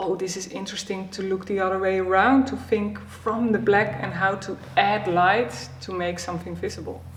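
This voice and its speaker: The speech moves at a moderate pace. Noticeable background noise and audible room echo are present. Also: woman. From Netherlands, Amsterdam. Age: 30s. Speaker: artist. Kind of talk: interview. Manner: hesitant, frequent fillers.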